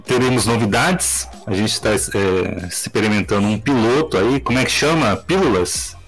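A man, hosting a podcast over a video call in relaxed, rambling chat, his mic audio clipping and distorted. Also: fairly low pitch, normal speed, faint music behind. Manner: relaxed, rambling, filler-heavy. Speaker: podcast host.

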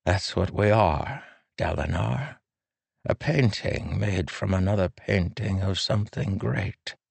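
A man voicing a frail, weary old king who speaks with a soft, drawn-out, sorrowful delivery. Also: sits low, vocal fry, slightly rough, no echo, pitched above the performer's own voice, exaggerated voice. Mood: melancholy. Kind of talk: audiobook character voice.

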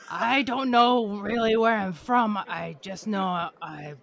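A woman playing a bumbling female zombie who talks in halting broken English. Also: medium pitch, gravelly. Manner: halting, broken phrasing, sudden loud outbursts. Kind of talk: improv comedy sketch.

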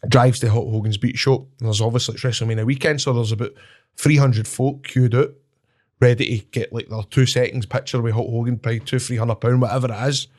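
Man, Scottish accent, animated storyteller, swears, laughs a lot, casual chat. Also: medium pitch, fairly quick. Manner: animated, swears, laughs at his own stories. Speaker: wrestler guest.

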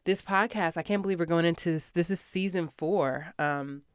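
A woman's voice: fairly low pitch, moderate pace, clean tone, no echo, clean studio sound. A woman hosting her podcast in casual chat, a little stuffy from a cold, upbeat with lots of fillers. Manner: chatty, upbeat, many fillers. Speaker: podcast host, actor coach. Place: small home voiceover booth in a former closet.

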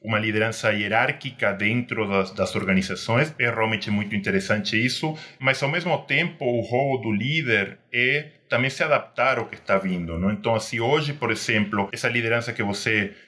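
A middle-aged man from Argentina with an Argentine Spanish accent, a native Spanish speaker, speaking as an interview guest in a reflective, measured way with hesitant restarts. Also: lowish voice, sharp tone. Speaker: guest, security industry executive. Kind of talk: online panel interview.

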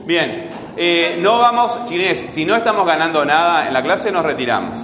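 Guy teaching grammar, kinda high voice, roomy echo, asks and answers himself. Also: normal speed, noisy background. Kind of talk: classroom grammar lesson. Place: classroom. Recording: echoey room with long reverb, faint ambience.

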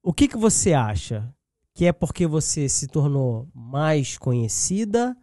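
A man with a Brazilian Portuguese accent co-hosting a casual chat show, animated and joking, breaking into loud shouted greetings. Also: a little high, measured pace, no room sound, studio quality. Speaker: podcast co-host.

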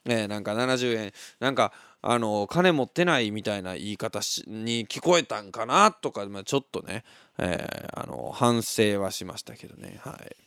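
A man's voice: lowish voice, moderate pace, gravelly, smooth, no echo, clean studio sound. A young man, hosting a casual podcast, reading listener messages and telling stories with frequent laughs and sound effects. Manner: chatty, laughs often, lively storytelling with sound effects. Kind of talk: casual chat.

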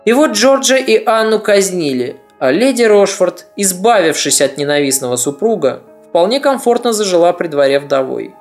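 Brief: podcast history narrator, measured, wry asides, mid pitch, soft music bed. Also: sing-song. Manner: measured storytelling with ironic asides.

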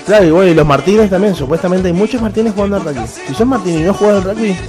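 A man with an Argentine accent trades quips as co-host of a relaxed live show. His voice is slightly high. Music runs clearly under his talk. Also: racing. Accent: Argentine Spanish. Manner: teasing, banter-driven. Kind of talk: casual live-stream chat. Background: music playing.

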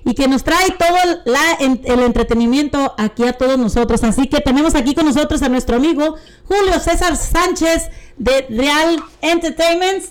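A woman's voice: high voice, moderate pace. A woman hosting a radio show, interviewing a guest in a friendly, encouraging way. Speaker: radio host.

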